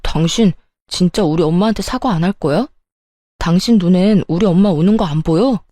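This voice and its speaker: A woman's voice: lowish voice, moderate pace, mellow, dry recording, studio quality, lightly acted. A woman voicing an angry, bossy husband who takes his mother's side, speaking in an accusing, demanding way in a narrated story. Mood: protective, reproachful.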